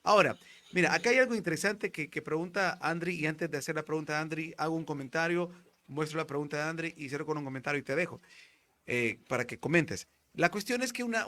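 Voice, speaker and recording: A man hosting a spiritual talk show, telling stories with animated acted-out voices. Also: a little high. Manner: animated storytelling, acts out quoted voices. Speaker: host.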